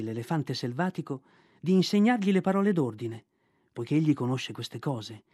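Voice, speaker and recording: A man narrating a story in a steady reading voice. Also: a little high, no room sound, studio quality. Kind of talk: audiobook narration.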